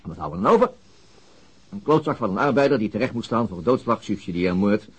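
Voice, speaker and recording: A man's voice: on the low side, expressive, fast, noisy background, close to an everyday voice. An actor playing a gloomy, bitter middle-aged chief inspector and father in a radio drama, blunt and sardonic. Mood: bitter, cynical. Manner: grumbling, sardonic, blunt and coarse. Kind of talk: naturalistic radio drama acting.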